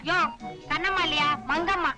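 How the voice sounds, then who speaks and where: An actress playing a bossy, sharp-tongued young policewoman who scolds and teases. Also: very high voice, fairly even intonation, moderate pace, faint music behind, heavily acted. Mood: scolding. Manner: scolding, teasing. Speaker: actress in a film.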